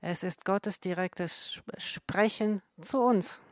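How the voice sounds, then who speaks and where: A woman co-hosting a Christian program, explaining her faith earnestly in a slow, careful way and often correcting herself mid-word. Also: medium pitch, darkish tone, dry recording, studio quality.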